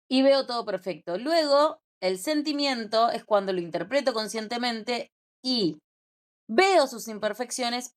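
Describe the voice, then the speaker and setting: A young woman with an Argentine Spanish accent gives an informal class lecture, conversational and often checking in with quick rhetorical questions. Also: fairly high pitch. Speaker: teacher.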